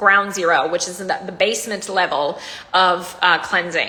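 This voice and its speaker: Noticeable background noise runs behind a woman's voice. She talks at a moderate pace in an animated tone. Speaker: healing coach. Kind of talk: live Q&A. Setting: livestream.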